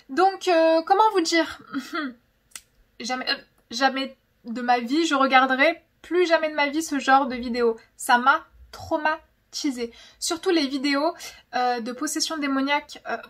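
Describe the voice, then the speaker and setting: A woman's voice: high-pitched, a little slow. A young woman chatting casually in a storytelling vlog, dramatic and emphatic, often repeating words for effect. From francophone, of Algerian descent. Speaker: YouTube host.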